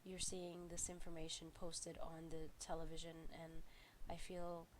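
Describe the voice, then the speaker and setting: Slow, halting congested young woman. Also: low voice, monotone, a little hiss or hum, low-quality recording. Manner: halting, many fillers and restarts. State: congested from a flu. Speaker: student presenter. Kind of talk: class video presentation.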